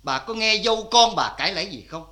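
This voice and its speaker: An actor playing a shrewd defense lawyer cross-examining a witness in a cải lương drama. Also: male voice, high voice, expressive, quick pace, bright, forceful tone. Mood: probing. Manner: probing, pointed questioning.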